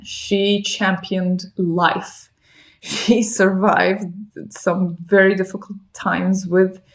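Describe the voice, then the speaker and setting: Reflective woman talking, soft laughs. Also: lowish voice. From Afghanistan. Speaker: podcast guest, actress. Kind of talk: casual interview talk.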